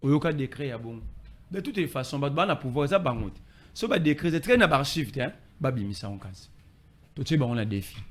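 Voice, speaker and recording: Animated Congolese man arguing politics. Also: fairly high pitch. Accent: Congolese French. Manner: emphatic, code-switching, argumentative. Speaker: political commentator. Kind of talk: animated street political debate.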